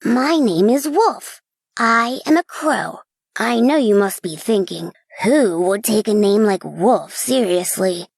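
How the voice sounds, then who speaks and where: A woman voicing a kind, gentle male crow with a raspy voice in a children's storybook reading. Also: medium pitch, animated, takes it slowly, no room sound, clean studio sound, full character voice.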